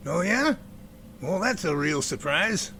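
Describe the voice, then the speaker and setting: Bright, creaky, folksy professor played by a man. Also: high-pitched, expressive, slow, a little hiss or hum, exaggerated voice. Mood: pleased. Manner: folksy, courteous phrasing. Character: genial middle-aged professor running a Bigfoot research center. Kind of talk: amateur audio drama dialogue.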